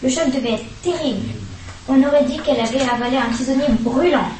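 Woman, storybook reader, high voice, echoey room, far from the mic. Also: fairly quick, a little mellow, slight background noise. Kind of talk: reading a storybook aloud.

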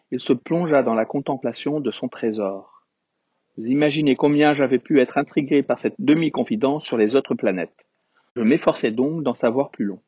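A man reading a storybook aloud as a narrator, in a calm and measured way. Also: medium pitch, breathy edge, no echo. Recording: dull lo-fi recording.

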